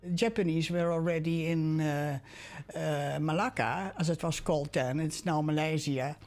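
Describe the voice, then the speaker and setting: An older woman calmly recalling her family and husband in an interview. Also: low-pitched, normal speed, faint music behind. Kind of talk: interview recollection.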